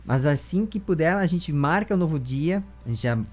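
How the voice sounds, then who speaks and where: A man's voice: fairly high pitch, animated, normal speed, soft background music. A man in his twenties with a Brazilian accent, casually hosting an online interview and chatting to viewers. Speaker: interviewer and channel host. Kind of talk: casual video chat with viewers. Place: small room with bookshelves. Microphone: large studio microphone up close.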